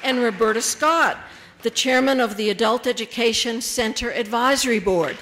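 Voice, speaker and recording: A woman serving as the emcee of a ceremony, reading out names, titles and introductions in a measured way. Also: fairly high pitch, a crowd in the background, background noise.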